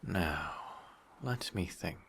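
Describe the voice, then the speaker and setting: A man voicing a flirty, possessive sea monster in human guise for an intimate roleplay audio drama, measured and politely menacing. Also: low voice, animated, creaky, a bit bright, a little hiss or hum, heavily acted. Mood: calmly menacing.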